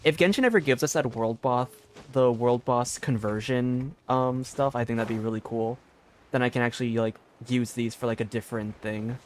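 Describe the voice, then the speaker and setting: A man's voice: mid-range voice, moderate pace, a little hiss or hum. A man giving casual live gaming commentary as a streamer, informal and thinking aloud in a meandering way. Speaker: game streamer.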